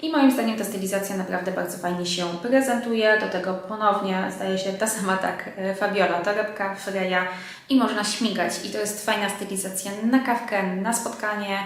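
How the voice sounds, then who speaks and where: A woman's voice: medium pitch, steady tone, moderate pace. A Polish woman with a slightly stuffed-up, nasal voice from a head cold, chatting casually to her viewers as a fashion vlog host. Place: indoors under artificial light. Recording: very echoey room.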